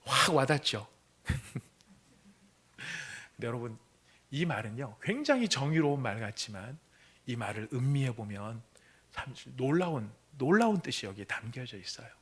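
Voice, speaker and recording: Male senior pastor, sermon, bright tone, dramatic swings from hush to shouting. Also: mid-range voice, very animated, moderate pace, pauses often, slightly rough. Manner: dramatic, swings from hushed whispers to loud outbursts when voicing the son. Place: church sanctuary.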